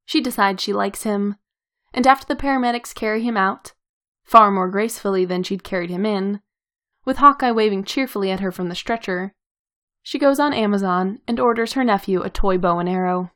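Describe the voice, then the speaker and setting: A woman narrating a piece of fan fiction in a calm, even tone at a medium pitch. Her reading is steady and unhurried. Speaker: reader. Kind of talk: fan fiction read aloud.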